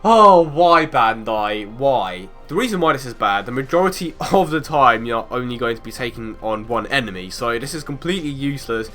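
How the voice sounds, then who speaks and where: Young man, head cold, bright tone, casual game commentary, chatty, filler words, faint music behind. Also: medium pitch, lively intonation. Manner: chatty, lots of ums and restarts, quick laughs. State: has a cold, sounds a bit off. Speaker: mobile game video host.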